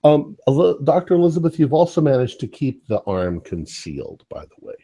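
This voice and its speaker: A man narrating as game master of a tabletop horror game, hesitant and full of pauses. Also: a little high, big pitch swings, mellow, slightly rough. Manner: hesitant, many ums.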